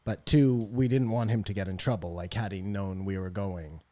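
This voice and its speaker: A man's voice: fairly low pitch, steady tone, normal speed, dark tone. A man co-hosting a podcast in a casual discussion, informal and given to swearing. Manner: informal, profane. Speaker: podcast co-host.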